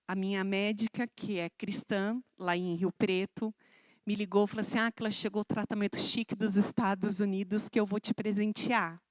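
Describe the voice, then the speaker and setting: A woman from Brazil giving an emotional church testimony, telling her story dramatically and acting out the dialogue, with her voice rising and dropping in loudness. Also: mid-range voice, smooth, no room sound. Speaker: guest speaker giving a testimony. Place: church service.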